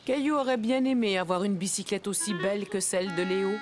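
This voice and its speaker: A woman narrating a preschool cartoon as a gentle, expressive storyteller. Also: medium pitch, quick pace, soft background music, natural voice. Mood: gentle storytelling. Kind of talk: scripted children's story narration.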